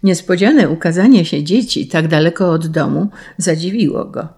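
A woman reads a children's storybook aloud with steady, expressive pacing. Her voice sits low and sounds husky and gravelly, with plenty of fry. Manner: measured, expressive reading. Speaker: audiobook narrator. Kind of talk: scripted narration of a children's story.

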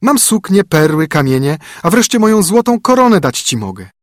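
A man voicing a spoiled young princess in a high, whiny, breathless way. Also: very animated, normal speed, no room sound, studio quality. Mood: pleading.

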